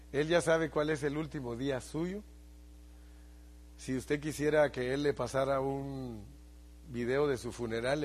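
An older man preaching as a pastor, talking with his congregation and often putting questions to them. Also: medium pitch. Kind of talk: sermon.

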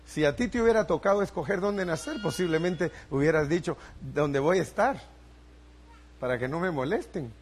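A man's voice: on the high side, lively intonation, moderate pace, a little hiss or hum. Older man preaching a sermon. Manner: preaching with rising emphasis and asides to the congregation. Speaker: pastor.

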